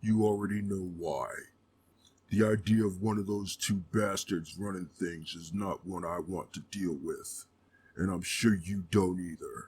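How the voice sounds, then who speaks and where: A man uses a put-on character voice with a fairly low pitch, speaking at a moderate pace. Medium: machinima. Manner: gruff, grave.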